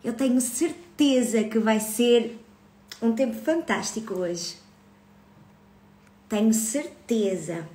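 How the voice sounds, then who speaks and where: A woman's voice: on the high side, slow, pauses often, mellow, roomy sound. A woman in her thirties with a European Portuguese accent, hosting a casual live stream about her book club, chatty and greeting viewers. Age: 30s.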